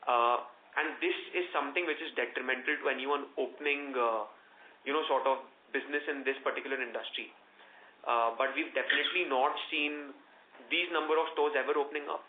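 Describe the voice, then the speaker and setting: Over a narrowband, echoing conference line with some noise, a man with an Indian accent answers questions as a company executive. His pitch is average and his phrasing is corporate and explanatory. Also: steady tone, fairly quick. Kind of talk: answering analysts' questions on an earnings call. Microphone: conference call phone line. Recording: roomy, noisy narrowband conference phone line.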